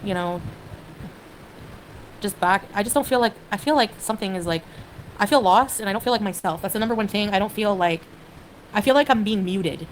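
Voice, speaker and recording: A woman's voice: medium pitch, brisk, pauses often, slight background noise, poor audio. A woman from Canada chatting on a livestream, hesitant and rambling, with lots of fillers as she reads viewers' comments. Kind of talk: casual livestream chat.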